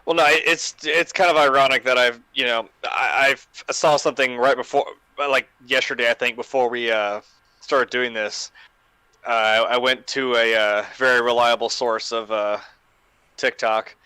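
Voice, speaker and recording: Bright, clear-voiced man chatting casually. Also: mid-range voice, steady tone, moderate pace, no room sound. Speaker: podcast co-host or panelist. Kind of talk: casual panel discussion.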